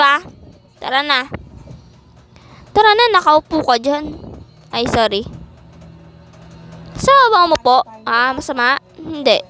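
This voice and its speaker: A woman's voice: high voice, pushed and bright. A woman voicing a whole family in a playful game role-play, switching between characters.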